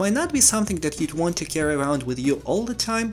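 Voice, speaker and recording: Someone speaks with a non-native accent at a fairly quick pace. Noticeable background noise runs under the voice. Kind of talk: product review narration. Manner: dry, humorous.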